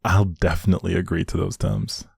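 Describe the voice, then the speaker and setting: Guy playing a sweet teasy boyfriend, really low n gravelly, soft intimate roleplay audio. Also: level tone, fairly quick, dry recording, studio quality, heavily acted. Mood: playfully competitive. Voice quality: low, soft, husky, creaky. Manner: affectionate, gently teasing. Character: doting, playfully teasing young adult boyfriend.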